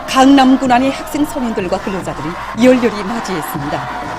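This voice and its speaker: A woman's voice: a little high, sing-song, quick pace, heavy background noise. A woman with a North Korean accent reading scripted television news in a solemn, formal, declamatory manner. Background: music under the narration.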